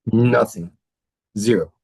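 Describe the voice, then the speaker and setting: A young man from Egypt shares his own experience as a coaching client in an interview. He speaks in a somewhat low voice, earnest and measured, with frequent pauses and fillers, and the recording is dry and close. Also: creaky, darkish tone, slightly rough, no echo. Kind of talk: testimonial interview.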